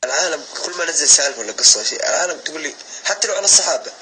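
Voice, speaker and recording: A man rattles off a personal story at breakneck speed, in a bright, sharp, somewhat high voice. He talks casually and emphatically, and keeps swearing oaths to back up his words. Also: lively intonation, racing, a little hiss or hum, rough recording. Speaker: social media storyteller.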